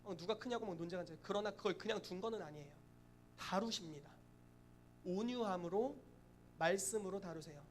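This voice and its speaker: A man with a fairly high voice delivers a sermon from the pulpit, lively and expressive, slipping into acted voices and breaking into laughter. A faint hiss sits under the church recording. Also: a little fast. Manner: lively, acts out quoted voices, laughs often. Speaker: pastor.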